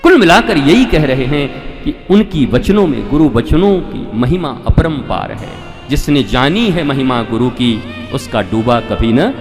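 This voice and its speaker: A man's voice: mid-range voice, very animated, a little slow. Male Hindu preacher for devotional sermon, emphatic teaching delivery; long hall reverb, instrumental music underneath. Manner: emphatic teaching with rhetorical questions and repeated phrases. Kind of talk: devotional sermon, scriptural storytelling.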